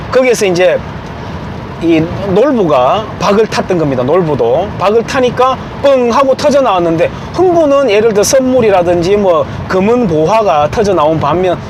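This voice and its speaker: A man's voice: high-pitched, noisy background. A man giving an informal, emphatic opinion monologue. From Gyeongju, South Korea. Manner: emphatic, acts out quoted remarks. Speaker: commentator.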